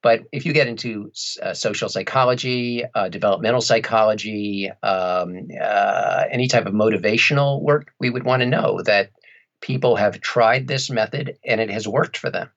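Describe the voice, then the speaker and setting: A man with a fairly low voice talks as a podcast guest in a thoughtful interview. His delivery is measured and careful, with formal wording. The recording is slightly dull. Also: fairly bright tone. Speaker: audiobook narrator, podcast guest.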